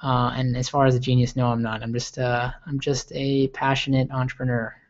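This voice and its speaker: Answering viewers' questions on his live tech stream, a young host from Okinawa, Japan, rambles eagerly and often repeats himself. He talks a little fast in a monotone, mid-range voice. The audio has a lo-fi livestream quality.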